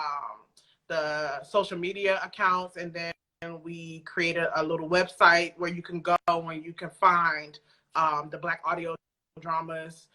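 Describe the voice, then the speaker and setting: A woman's voice: fairly low pitch, sharp tone, rough recording. A woman speaking as an interview guest, chatting casually in an informal, upbeat, conversational way. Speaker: interview guest, audio drama creator. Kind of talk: casual chat.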